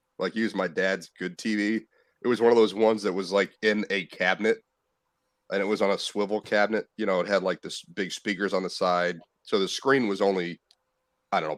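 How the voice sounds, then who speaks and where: A man's ordinary speaking voice, fairly low in pitch, at a fairly quick pace with fairly even intonation, dry and close with no echo, on a very clean recording with a silent background. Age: 40s. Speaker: live stream co-host. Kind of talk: casual chat.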